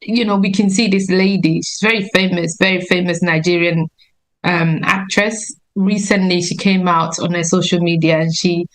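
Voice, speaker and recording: A woman's voice: on the low side, low-quality recording. Earnest woman explaining a health topic. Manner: earnest, explanatory, self-correcting. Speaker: guest nurse practitioner. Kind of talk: informal health talk with slides.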